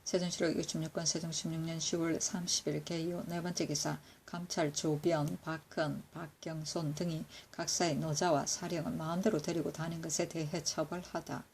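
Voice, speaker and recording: Low-voiced woman reading old records. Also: vocal fry, a little hiss or hum. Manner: steady, measured recitation with occasional self-corrections. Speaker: reader of historical records. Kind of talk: reading court annals aloud.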